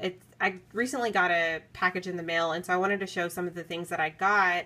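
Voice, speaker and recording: The voice is loud, with a bright, sharp tone. It moves at a very fast pace. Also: woman. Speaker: scrapbooking YouTuber. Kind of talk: casual tutorial.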